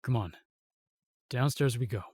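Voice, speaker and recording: A man's voice: mid-range voice, darkish tone, slightly rough, no room sound. Man acting a steadfast royal guard, close and dry. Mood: calm, resolute. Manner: formal, measured, reassuring. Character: steadfast, protective male royal guard, formal and earnest. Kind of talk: fantasy audio drama acting.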